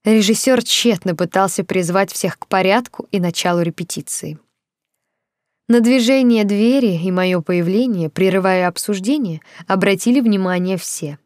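A woman narrating a novel in the first person, with even, expressive storytelling. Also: mid-range voice, no room sound, clean studio sound. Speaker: audiobook narrator.

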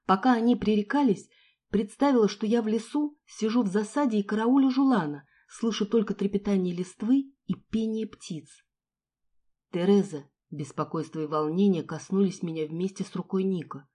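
A woman reading a first-person novel aloud as an audiobook narrator, with expressive storytelling. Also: medium pitch, fairly quick, slightly rough.

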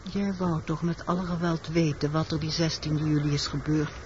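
An actress playing a weary, secretive woman in a radio drama, telling her story in a measured, matter-of-fact way. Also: low voice, steady tone, natural voice. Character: weary, secretive woman confessing a wartime killing. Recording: muffled, noisy old radio recording.

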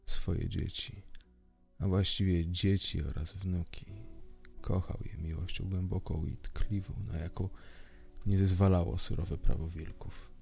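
A man reading a horror story aloud in measured, scripted narration. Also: low voice, steady tone, creaky, a little mellow, faint music behind. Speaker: audiobook narrator.

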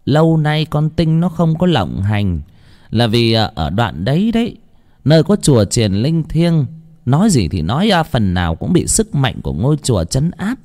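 A man voicing an older village woman who is a spirit medium, explaining slowly and matter-of-factly. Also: mid-range voice, wildly swooping pitch, a little mellow, pitched above the performer's own voice. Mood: calm, knowing.

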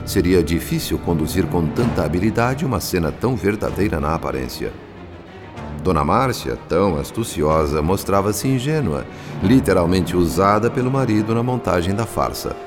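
A man's voice: low-pitched, animated, moderate pace. A man with a Brazilian accent delivering solemn, formal scripted narration for a radio drama. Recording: long hall reverb, music behind.

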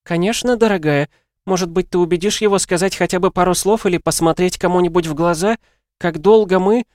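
A man reading an audiobook, voicing an excitable, gushing woman friend on the phone. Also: high-pitched, brisk, no echo, clean studio sound, voice pushed up, close to an everyday voice. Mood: shocked, flustered. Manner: effusive, exclaiming.

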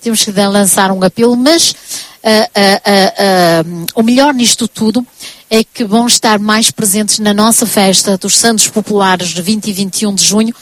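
A woman's voice: mid-range voice, fairly even intonation, moderate pace, dry recording. A woman, interviewing students live on radio in a chatty, effusive and encouraging way.

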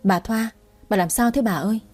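A woman's voice: fairly high pitch, normal speed, darkish tone, soft background music, close to an everyday voice. A woman voicing an outspoken, easygoing elderly neighbor who chides bluntly. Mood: concerned. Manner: blunt, chiding.

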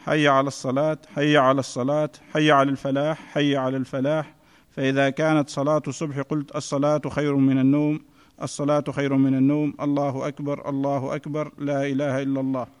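A man reading a classical text aloud to a class in a steady recitation, recorded in an echoey hall. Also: medium pitch, fast talker, clear, resonant tone. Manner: steady recitation in a level chant.

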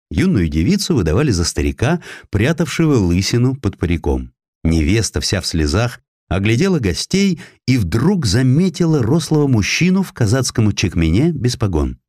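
Expressive low-voiced male storyteller, dry sound. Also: dry recording. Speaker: audiobook narrator. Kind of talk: dramatized scripted narration of a historical sketch.

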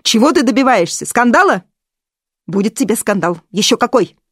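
A woman voicing a stern young stepmother who scolds and lectures loudly. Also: a little high, expressive, normal speed, breathy edge, no room sound, clean studio sound, voice pushed up. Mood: scolding.

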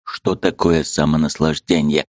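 A man voicing a gloomy, tired nobleman who answers in a sullen, weary, low voice. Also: flat delivery, a little slow, no echo, studio quality.

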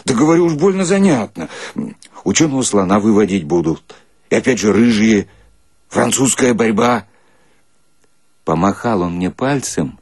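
Naive rank-and-file storyteller voiced by a man for comic radio reading, homespun, husky, very expressive. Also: on the low side, moderate pace, long pauses, dry recording, studio quality, exaggerated voice. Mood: folksy, naive. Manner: folksy, colloquial, simple-hearted. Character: naive illiterate Red Army soldier, a comic storyteller.

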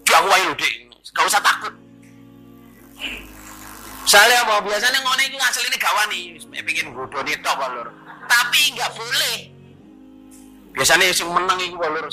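A man's voice: fairly high pitch, low-quality recording. A man preaching a sermon to a congregation, jokey and addressing the crowd directly.

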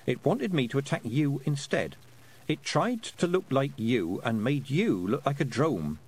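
A man's voice: medium pitch, very animated, measured pace, a little mellow, husky, low-quality recording. A man voicing an earnest, brave young girl who speaks with urgency and determination.

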